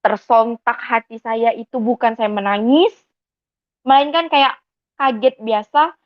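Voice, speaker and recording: A woman's voice: fairly high pitch, measured pace, no room sound. A young woman from Indonesia tells her personal testimony earnestly and acts out the voices of the people in it. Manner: earnest storytelling that acts out quoted dialogue. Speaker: convert giving a testimony. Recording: slightly dull, dry recording.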